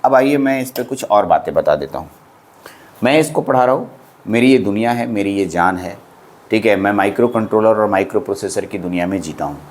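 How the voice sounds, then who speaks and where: A man in his thirties with a fairly low voice, giving a polytechnic lecture on microcontrollers. He talks in a loose, chatty way, repeats himself for emphasis and keeps checking in with "theek hai". His tone stays reassuring. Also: fairly quick. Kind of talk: classroom lecture in casual Hindi with English terms.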